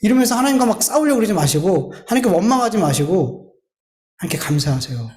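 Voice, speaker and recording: High-voiced pastor preaching in an echoey church. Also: male voice, big pitch swings, quick pace, darkish tone. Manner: earnest, pleading, addresses congregation often. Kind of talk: sermon. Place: church sanctuary.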